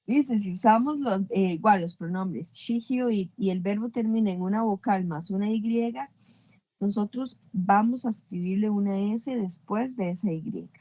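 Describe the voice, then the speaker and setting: A woman's voice: mid-range voice, normal speed, mellow. A woman teaching an English grammar class online, explaining patiently and often checking understanding.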